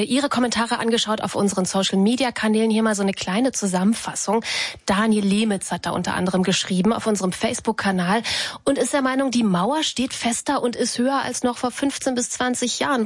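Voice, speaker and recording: Female radio host, slightly husky, friendly, reading comments, dry studio sound. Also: on the high side, dry recording. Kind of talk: radio talk show.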